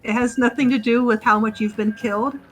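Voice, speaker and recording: A woman with a slightly high, steady voice talks a little fast on a low-quality recording. She's an experienced player streaming a game and patiently coaching a newcomer in casual chat, giving instructions and laughing often.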